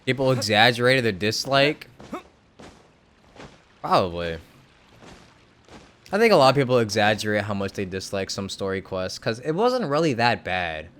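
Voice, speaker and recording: A man's voice: on the low side, sing-song, normal speed, long pauses, fairly bright tone, slight background noise. Laid-back young man chatting on stream. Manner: rambling, with hedges, fillers and casual swearing. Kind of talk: casual live-stream commentary.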